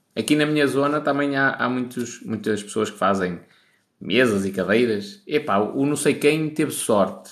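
Intonation lively, a man with a European Portuguese accent speaks at a moderate pace. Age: 30s. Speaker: crypto live streamer and swimming coach. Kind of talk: live stream Q&A. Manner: casual, hesitant.

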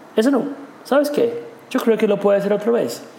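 Through noticeable background noise and audible room echo, a man speaks at a very fast pace. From USA. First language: English (speaking Spanish). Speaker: personal branding consultant. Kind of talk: interview. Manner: halting, repeats words.

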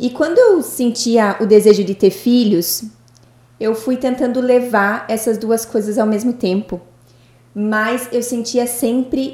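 A woman with a normal speaking voice talks at a fairly slow pace. Her pitch is fairly high, with ordinary variation. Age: 30s. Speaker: stay-at-home mother sharing faith story. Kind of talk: testimony.

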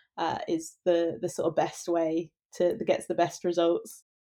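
A woman with a southern English accent, at a moderate pace. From southern England. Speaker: environmental communicator. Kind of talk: casual chat.

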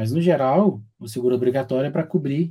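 A man with a Brazilian accent speaks in a dark, mellow tone. His voice is somewhat breathy. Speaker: software engineer. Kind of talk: casual interview.

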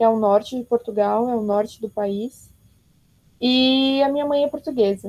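Delivered at a moderate pace, the voice has a dark, mellow tone in a dry, close sound with no echo. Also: woman. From Brazil, São Paulo. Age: 20s. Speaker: journalist and master's student. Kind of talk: interview.

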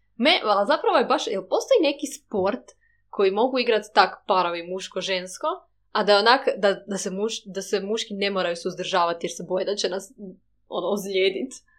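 This woman has a plain, everyday voice at medium pitch. She talks at a fairly quick pace with ordinary pitch variation. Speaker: podcast co-host. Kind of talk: casual chat.

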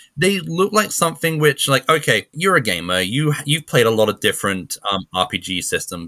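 A man with an English accent speaks at a moderate pace in a bright, sharp tone. The recording is very clean with a silent background and a dry, close sound with no echo. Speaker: podcast host. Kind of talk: casual chat.

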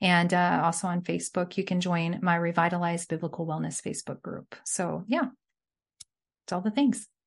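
Over a quiet background, a somewhat breathy voice speaks at a moderate pace with ordinary pitch variation. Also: woman, fairly low pitch for a woman. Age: 40s. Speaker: wellness and weight loss coach. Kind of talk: interview.

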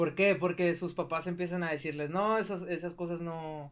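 Over a quiet background, a man with high pitch talks at a moderate pace in a monotone, flat intonation. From Ciudad Juárez, Mexico. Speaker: musician. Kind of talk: casual chat.

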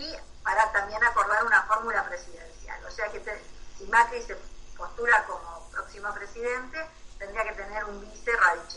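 Over noticeable background noise and audible room echo, a woman talks at a moderate pace with big swings in loudness. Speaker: radio co-host. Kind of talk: casual chat.

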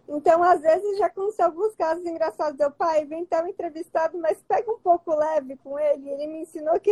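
A woman at an extremely high pitch with ordinary pitch variation, a dark, mellow tone and a dry, close sound with no echo. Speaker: journalist, daughter of the guest. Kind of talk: casual chat.

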